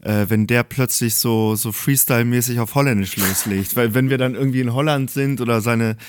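A man's voice: medium pitch, fairly even intonation, brisk, slight background noise. A man from Hamburg in his forties, chatting as a guest in an interview and often repeating words as he hunts for the next one. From Germany, Hamburg. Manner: hesitant, repeats words while searching for them. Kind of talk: casual interview chat.

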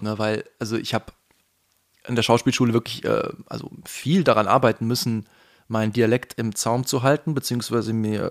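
A man from the Palatinate region of Germany with a faint Palatinate German accent, a voice actor speaking thoughtfully in a relaxed interview, pausing often with fillers. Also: mid-range voice. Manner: thoughtful, hesitant, many fillers. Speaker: guest, voice actor. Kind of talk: casual conversational interview.

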